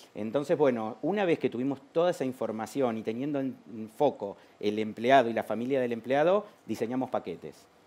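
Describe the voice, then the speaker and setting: A dark, mellow tone with lively intonation at a fairly quick pace. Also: man. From Argentina, Rosario; Argentina. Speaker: guest. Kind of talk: panel discussion. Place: studio. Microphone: lapel.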